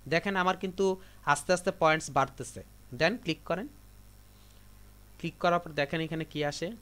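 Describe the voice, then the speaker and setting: A man's voice: fairly high pitch, a little fast, pushed and bright. A man from Bangladesh teaching a computer class, giving repetitive step-by-step instructions to his students. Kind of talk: live classroom tutorial.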